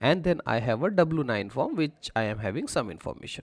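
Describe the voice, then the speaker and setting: A man with a normal speaking voice and lively intonation is heard on a very clean recording with a silent background. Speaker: software tutorial creator. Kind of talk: tutorial.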